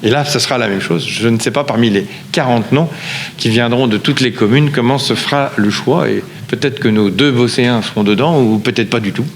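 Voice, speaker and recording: A man's voice: mid-range voice, fairly quick. Man chairing council meeting in echoey hall. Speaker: local official chairing a town council meeting. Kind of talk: formal council presentation, semi-improvised. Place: large echoing meeting room. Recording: reverberant hall, background noise.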